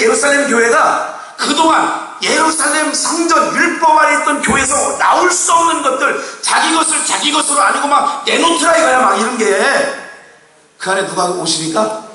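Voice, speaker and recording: A man preaching a sermon as pastor, talking in a loose, colloquial way and putting one rhetorical question after another to his congregation. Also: very high voice. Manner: colloquial and animated, with laughs and bursts of shouting. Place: church sanctuary. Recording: echoey hall, mic far from speaker.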